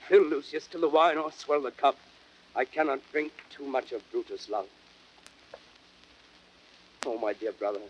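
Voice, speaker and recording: A man's voice: medium pitch, close to an everyday voice. An actor playing a passionate, wounded, hot-tempered Roman nobleman, declaiming verse in a classical Shakespearean audio drama. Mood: affectionate, earnest. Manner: impassioned, declamatory theatrical verse delivery. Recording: dull, noisy vintage drama record.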